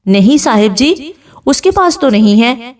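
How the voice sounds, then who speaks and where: A timid, obedient male servant, read by a woman storyteller who answers his master meekly. The voice sits a little high and slightly away from the mic. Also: expressive, far from the mic, close to an everyday voice. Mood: deferential. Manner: deferential.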